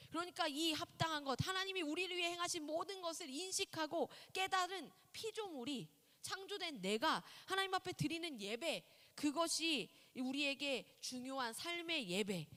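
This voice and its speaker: A woman's voice: high-pitched, animated, normal speed, hardly any pauses, pushed and bright. A woman pastor giving a sermon in a conversational style, asking the listeners questions. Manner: conversational preaching with rhetorical questions; acts out quoted voices. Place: church sanctuary. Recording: long hall reverb in a church.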